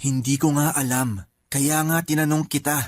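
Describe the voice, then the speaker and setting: A man playing a calm, watchful young man. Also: a little high, moderate pace, soft background music, close to an everyday voice. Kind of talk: radio drama acting.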